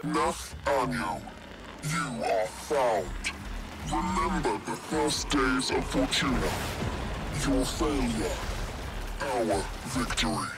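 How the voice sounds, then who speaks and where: An actor playing a solemn, menacing rebel avenger in a video game, declaiming a formal threat. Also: male voice, mid-range voice, lively intonation, slow pace, heavy background noise. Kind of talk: dramatic video game acting.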